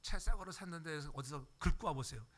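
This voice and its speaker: A man's voice: fairly high pitch, fast talker, a bit bright. An older man preaching a sermon as pastor, acting out everyday voices and checking in with the congregation. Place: church sanctuary.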